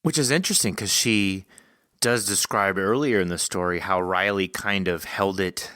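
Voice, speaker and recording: Man, podcast host, deep voice, crisp bright edge, casual interview chat, animated, thinks aloud. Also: normal speed, no echo, clean studio sound. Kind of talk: casual discussion of fiction.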